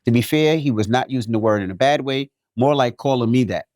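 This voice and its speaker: New york guy on a podcast, jokey and animated, reads an email then rambles his take, dry room. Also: mid-range voice, quick pace, no echo. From New York City. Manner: animated, jokey, repeats himself. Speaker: podcast co-host. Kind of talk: casual chat, reading a listener email.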